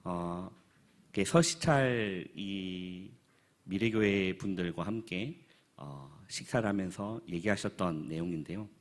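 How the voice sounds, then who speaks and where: A deep-voiced pastor in his thirties gives an earnest spoken report at a church forum. His speech is halting, full of filler pauses.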